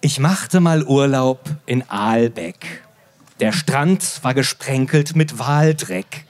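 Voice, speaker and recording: A man from the Sauerland hosting a limerick reading event, chatting between readings and reciting limericks slowly. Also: medium pitch, expressive. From Sauerland, Germany. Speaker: host.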